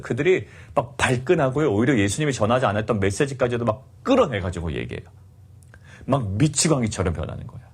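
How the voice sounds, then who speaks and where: A middle-aged male pastor delivers an early-morning sermon, asking question after question and acting out his listeners' indignant replies. His voice is husky. His pitch rises and falls widely as he preaches.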